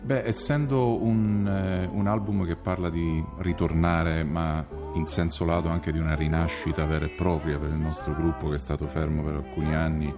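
A man from Sicily, a musician, explaining his work in measured interview talk. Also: a bass voice, fairly even intonation, music in the background. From Palermo, Sicily.

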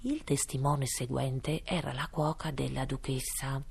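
A woman reading a classic children's tale aloud in a theatrical, deliberate way. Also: rumbling low, fairly even intonation, gravelly, darkish tone, husky. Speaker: reader.

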